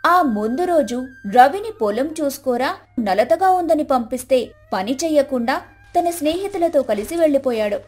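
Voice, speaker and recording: A woman narrates a scripted story in a high-pitched voice. Soft music runs underneath her storytelling.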